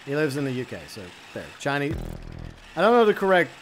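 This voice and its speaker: Chatty, slightly high-voiced streamer man. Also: big pitch swings, fairly quick, slight background noise. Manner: rambling, chatty, many fillers and asides. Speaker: streamer host. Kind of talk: casual live-stream gaming chat.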